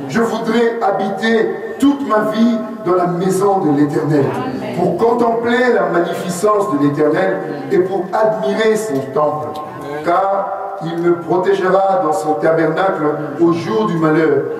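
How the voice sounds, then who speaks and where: Very slowly, a high-pitched man talks with ordinary pitch variation, his voice carrying strong room echo over light background noise. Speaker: preacher. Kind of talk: scripture reading. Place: church.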